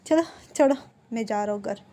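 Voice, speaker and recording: Woman narrator puts on a young male friend, confrontational and scolding, soft mellow tone. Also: on the high side, a little slow, close to an everyday voice. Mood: taunting. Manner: scolding, challenging questions. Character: young man, protective friend, angry and confrontational.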